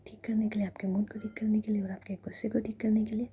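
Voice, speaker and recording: A woman's voice: mid-range voice, level tone, fast, creaky, warm tone, a little hiss or hum, close to an everyday voice. A woman whispering the lines of a playful, teasing young woman in love, in a coaxing manner. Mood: affectionate.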